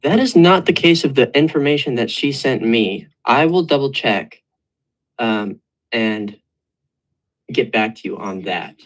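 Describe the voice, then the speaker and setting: A man on a conversational business call, speaking in halting phrases. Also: mid-range voice, lively intonation, rough recording. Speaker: caller in a real estate deal discussion.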